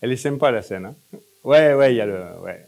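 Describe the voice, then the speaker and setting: A man leading a hypnosis session, giving short, repetitive, coaxing instructions with pauses between phrases. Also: medium pitch, lively intonation, gravelly, a little mellow. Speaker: hypnosis practitioner leading a demonstration.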